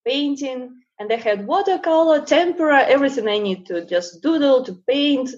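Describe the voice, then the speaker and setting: A woman's voice: high voice, expressive, moderate pace, dull audio. A woman in her thirties, born in Russia with Russian as her first language, chatting as an interview guest, hesitant with many fillers. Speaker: guest, painter. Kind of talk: casual interview chat.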